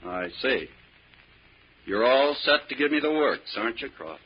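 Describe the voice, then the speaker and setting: A man's voice: mid-range voice, lively intonation, measured pace, slightly rough. An actor playing a scheming young man-about-town in gambling debt, suave, clipped and brazen, in 1940s radio drama style. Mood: desperate, defiant. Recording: muffled, noisy vintage radio recording.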